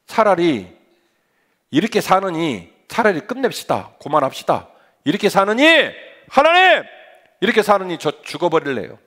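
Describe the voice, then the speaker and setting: A pastor voicing a despairing prophet begging to die. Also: male voice, high voice, very animated, normal speed, a bit bright, full character voice. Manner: pleading, anguished cry.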